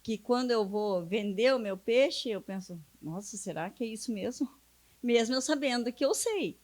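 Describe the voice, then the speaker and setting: A woman's voice: a little high, lively intonation, moderate pace, a little mellow. A woman student asking questions in class, hesitant and searching for words.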